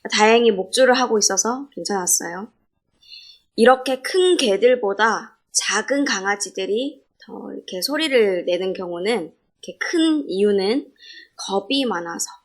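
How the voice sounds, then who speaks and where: A woman delivers an early morning sermon at a calm, measured pace. Her voice sits a little high, and she weaves everyday stories into her teaching. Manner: calm, measured preaching with personal anecdotes. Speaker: preacher.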